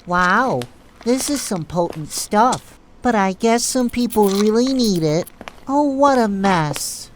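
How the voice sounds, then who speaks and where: A woman's voice: mid-range voice, animated, takes it slowly, slight background noise. A woman playing an earnest, trusting, mildly exasperated nurse in an audio drama, with a polite, questioning way of talking.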